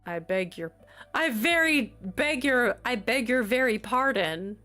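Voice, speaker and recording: A woman drawling through a relaxed live-stream chat, giggly and chatty as she answers her viewers. Her unhurried talk sits over faint game music. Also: fairly high pitch.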